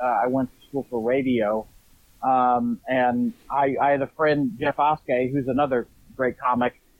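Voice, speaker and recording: With an American accent, a man at medium pitch speaks at a fairly slow pace, his loudness swinging widely. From Indianapolis, Indiana. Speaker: comedian. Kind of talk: casual interview chat.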